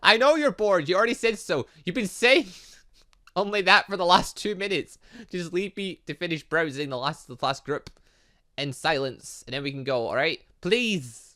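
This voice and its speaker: A man's voice: sits high, lively intonation, moderate pace, bright, forceful tone. Man doing a prim, easily exasperated teenage girl. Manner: formal, clipped, indignant.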